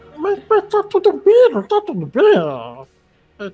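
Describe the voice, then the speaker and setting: Someone uses a put-on character voice at a very slow pace. Music plays in the background. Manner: defensive, embarrassed, rambling.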